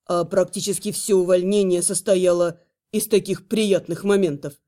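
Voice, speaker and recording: A woman's voice: fairly even intonation, moderate pace, dark tone, natural voice. A woman doing a gloomy young male dragon. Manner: low brooding put-on male voice.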